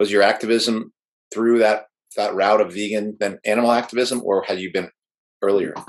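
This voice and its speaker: A man's ordinary speaking voice, fairly low in pitch, with fairly even intonation at a moderate pace. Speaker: co-host, teacher. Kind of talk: casual discussion podcast.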